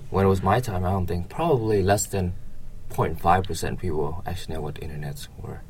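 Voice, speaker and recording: A man's voice: low-pitched, fairly quick, a little mellow, a little hiss or hum. A young man from Vietnam with a Vietnamese accent, giving casual, hesitant interview answers in colloquial English. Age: young adult. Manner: hesitant, colloquial, hedging with "you know". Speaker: interviewee, economics student.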